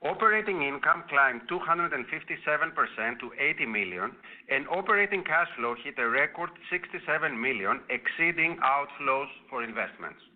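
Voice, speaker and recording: A man working as a finance executive, reading a scripted earnings presentation in a formal, measured manner over a conference call. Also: a little high, lively intonation. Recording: tinny phone-line conference call audio.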